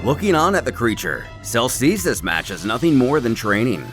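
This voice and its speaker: A man's voice: mid-range voice, big pitch swings, normal speed. A man giving a scripted story narration in a wry, playful, dramatic way. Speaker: narrator of a comic recap series. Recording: music under the voice. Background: background music.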